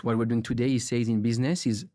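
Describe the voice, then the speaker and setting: A man from Switzerland hosting a podcast, speaking in a relaxed, reflective way and asking long questions. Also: mid-range voice, quick pace, dry recording, studio quality. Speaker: podcast host. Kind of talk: interview conversation.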